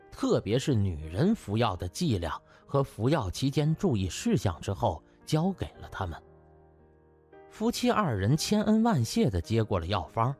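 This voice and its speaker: A man's voice: mid-range voice, a little mellow. A man narrating a comic novel as a scripted, dramatic audiobook.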